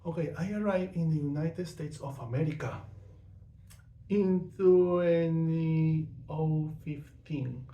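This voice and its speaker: A man's voice: a little high, slow, mellow, reverberant, dull audio. A man in his thirties from Venezuela, speaking English with a Venezuelan accent though it is not his first language, talking frankly about himself in a casual monologue. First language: not English or Spanish. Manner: outspoken, frank, with frequent fillers. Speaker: vlogger.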